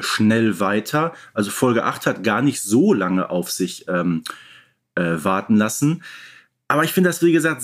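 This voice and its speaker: A man talking casually as the host of a fan podcast. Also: mid-range voice.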